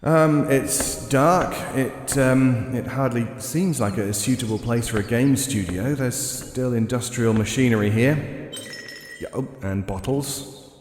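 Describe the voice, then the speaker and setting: A man's voice: medium pitch, slow pace, darkish tone, lightly acted. An actor playing a polite, nervous, hesitant male interviewer in a horror audio drama. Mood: uneasy politeness. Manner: hesitant, stammering, awkward. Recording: echoey hall with faint noise.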